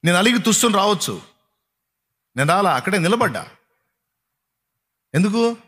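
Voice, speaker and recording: A man's voice: sits high, very animated, normal speed, a bit bright, breathy edge. A middle-aged man preaching a sermon, firing repeated rhetorical questions at his congregation. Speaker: pastor.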